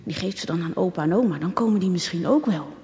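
A woman reading a children's story aloud in a lively, expressive way. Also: fairly low pitch, quick pace. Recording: echoey, dull recording.

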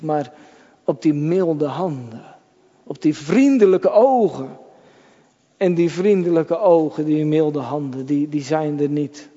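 A man's voice: on the high side, warm tone. A man preaching a sermon to his congregation in church, emphatic and repetitive, addressing his listeners directly. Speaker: pastor. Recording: dull lo-fi church recording with long reverb.

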